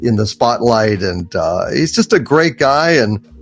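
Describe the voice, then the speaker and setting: A man chatting casually as a guest, in a halting, rambling way. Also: medium pitch, sing-song, soft background music. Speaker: guest, voice actor. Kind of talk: casual chat.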